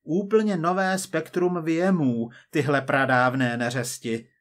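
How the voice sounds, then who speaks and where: A man's voice: on the high side, steady tone, pitched above the performer's own voice, close to an everyday voice. A man doing a cool, menacing future agent. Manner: coolly menacing, measured. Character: cold persistent male agent from the future.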